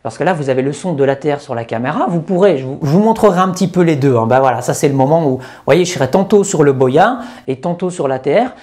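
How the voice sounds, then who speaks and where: Speaking quickly and with hardly any pauses, this YouTuber has an animated, mid-range voice with a darkish tone. He walks through a casual gear review step by step, chatty and full of hesitations, recorded on a lapel microphone.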